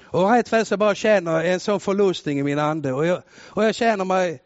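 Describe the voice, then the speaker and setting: A man preaching a sermon with fervor, rising to shouts and dropping to quiet storytelling. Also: high voice, no echo, highs cut off. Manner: fervent, builds to shouts, then drops to quiet storytelling.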